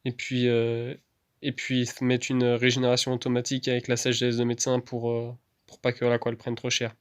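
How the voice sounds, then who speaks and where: A man's voice: mid-range voice, fairly quick, clear, resonant tone. A man giving a casual voice-over commentary on gameplay, hesitant and chatty, with many fillers and restarts. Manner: relaxed, chatty. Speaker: gaming YouTuber.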